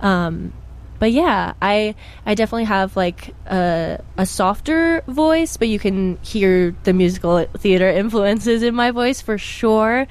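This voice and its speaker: In a casual interview, a young woman guest musician from Pennsylvania talks in an unhurried, smooth, mid-range voice. She's bubbly and uses lots of fillers.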